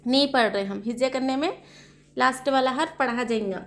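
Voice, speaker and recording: A woman Quran reading teacher with a South Asian Urdu-Hindi accent, slowly spelling out letters and vowel marks and explaining the rules with questions. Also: high voice. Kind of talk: slow spelled-out recitation lesson.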